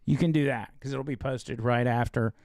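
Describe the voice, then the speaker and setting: A male talk show host with a gravelly, slightly hoarse voice, chatting loosely and reading an ad. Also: medium pitch, steady tone, moderate pace, a little mellow, no room sound, studio quality. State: losing his voice. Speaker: radio and live-stream show host. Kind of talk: casual live talk show with read ad.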